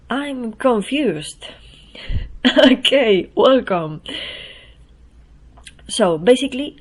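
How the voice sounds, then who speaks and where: A woman with a Spanish accent, who speaks English as a second language, hosts her own podcast in a chatty, self-deprecating way. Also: medium pitch. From Spain. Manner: chatty and self-deprecating, soft-spoken, laughs at herself. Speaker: newsletter writer and podcast host. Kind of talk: casual spoken podcast intro, reading her newsletter.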